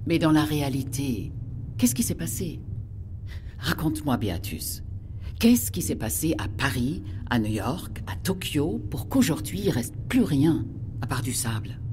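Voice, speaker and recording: An actress playing a curious, earnest listener in a far-future audio drama, asking questions. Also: female voice, very animated, measured pace, a little mellow. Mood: urgent questioning. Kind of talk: scripted audio drama dialogue. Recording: clear background noise with rumble.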